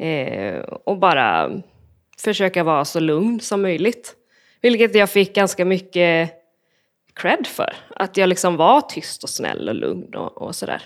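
A woman talks at a very slow pace, captured in a very clean recording against a silent background. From western Sweden (Borås). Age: 40s. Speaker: recovering alcoholic sharing her story. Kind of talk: personal testimony in interview.

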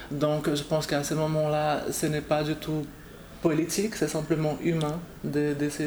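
Over noticeable background noise and audible room echo, a woman with a very deep, low pitch speaks at a moderate pace in a monotone, flat intonation. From Brazil. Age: 30s. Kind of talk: interview. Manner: halting, with many repetitions.

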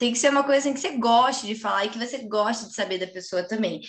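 A woman's fairly high voice, very fast with lively intonation, amid noticeable background noise. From Brazil, Paraná (Londrina). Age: 20s. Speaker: podcast co-host. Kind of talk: casual chat.

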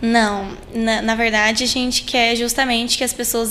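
With audible room echo around her, a woman talks at a moderate pace in a high voice. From southern Minas Gerais, Brazil (Itajubá). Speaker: optical store manager. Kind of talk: casual interview.

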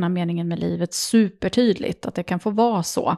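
Dry and close with no echo, a woman's dark, mellow tone moves at a fairly quick pace with ordinary pitch variation. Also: very clean recording, silent background. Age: 40s. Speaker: podcast host, former journalist. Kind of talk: casual chat. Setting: podcast studio.

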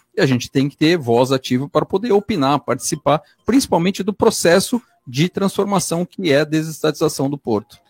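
A man talks at a fairly quick pace in a normal speaking voice, pitched fairly high, with lively intonation. The sound is dry and close, with no echo. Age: 50s. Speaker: businessman, port complex executive. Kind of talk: radio panel discussion.

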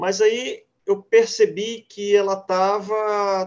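High in pitch, this man's voice stands out. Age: 50s. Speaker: hypnotherapist and hypnosis teacher. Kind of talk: lecture. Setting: video call.

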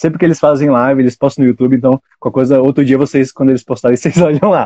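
At a very fast pace, a man talks with a fairly high pitch in a dry, close sound with no echo. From Brazil, Brasília. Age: 20s. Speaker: religious community member, podcast host. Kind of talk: casual chat. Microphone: connection freezing.

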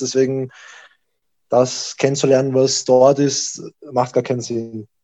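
In a dark, mellow tone, a man speaks at medium pitch and a fairly slow pace, with monotone, flat intonation. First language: Serbian (speaking German). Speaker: moderator. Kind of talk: casual chat. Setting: video call.

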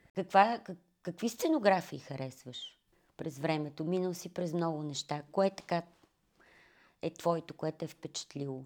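The speaker has a normal speaking voice and talks at a fairly slow pace with ordinary pitch variation. Loudness swings widely, on a very clean recording with a silent background. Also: woman, fairly low pitch for a woman. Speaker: podcast host. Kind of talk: interview. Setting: workshop.

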